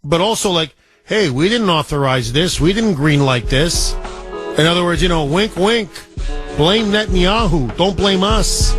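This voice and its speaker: Congested radio host, animated. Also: male voice, fairly high pitch. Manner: animated, quick storytelling with sound effects. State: congested, scratchy throat. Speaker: radio talk show host. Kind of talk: talk radio monologue and caller chat. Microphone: studio microphone.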